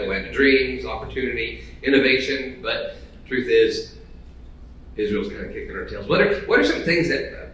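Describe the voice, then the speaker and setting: A man moderating a live conference panel, upbeat and energetic. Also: mid-range voice, a little hiss or hum. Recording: echoey hall, distant mic.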